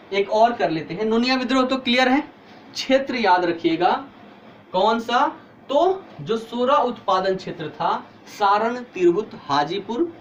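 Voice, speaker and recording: This male teacher has a high voice and sounds tired, nursing a headache, as he runs an online history lesson for exam prep. He breaks things down step by step and puts questions to the students, heard through a muffled recording with a bit of background noise.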